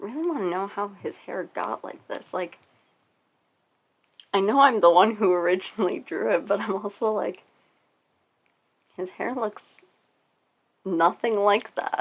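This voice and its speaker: Soft-spoken and fairly slow, a woman talks with ordinary pitch variation, big swings in loudness and long, frequent pauses. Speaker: art streamer. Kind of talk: casual chat. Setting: livestream at home. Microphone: cheap condenser mic.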